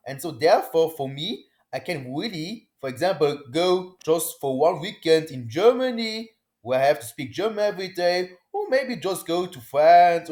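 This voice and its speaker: A young man from Luxembourg with a Luxembourgish accent, chatting casually to camera, often repeating himself and filling pauses with "I mean" and "yeah". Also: on the high side, darkish tone. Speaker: language vlogger. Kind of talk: casual vlog talk to camera.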